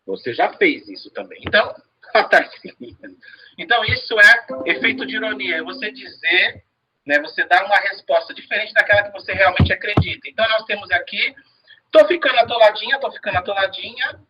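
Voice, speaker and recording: A man's voice: sits high, animated, fairly quick, lo-fi sound, a little hiss or hum. A man teaching a casual review lesson, chatty, often checking in with "né?". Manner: chatty, repeats words and asks "né?".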